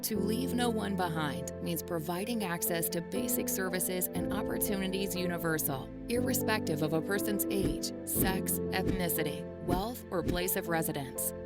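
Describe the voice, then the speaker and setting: A woman giving measured, formal scripted narration for an explainer video. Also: lowish voice. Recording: narration over loud music. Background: music.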